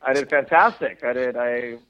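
A man's voice: medium pitch, dry recording. Reflective man on a tinny phone line. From United States. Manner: reflective, halting, many fillers and restarts. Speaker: interview guest, former Olympic swimmer. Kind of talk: casual interview conversation.

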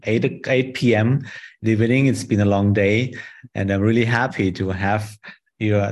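German man explaining trading charts. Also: lowish voice. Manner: friendly, halting non-native English with many fillers. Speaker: trading guest presenter. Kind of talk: live online trading webinar, walking through charts.

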